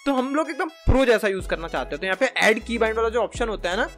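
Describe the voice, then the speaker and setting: Fast, high-pitched young man. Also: expressive, fairly bright tone. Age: 20s. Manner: informal, chatty, Hindi mixed with English tech words. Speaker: video tutorial presenter. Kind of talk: casual software tutorial for gamers. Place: indoor room at a gaming chair, voice over screen capture. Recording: music behind the voice.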